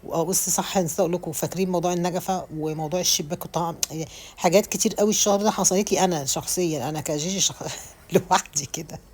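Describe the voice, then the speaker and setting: Racing through a rambling, restart-filled voice-over about cleaning her home, this Egyptian-accented home vlogger in her thirties speaks casually. Her voice is lowish and darkish in tone, with fairly even intonation.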